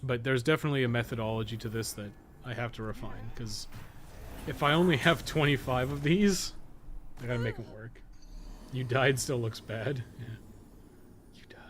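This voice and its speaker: A man's voice: mid-range voice, moderate pace, pauses often, a little hiss or hum. A man giving casual, rambling live commentary as he games, thinking aloud and swearing freely. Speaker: gaming streamer and podcast co-host.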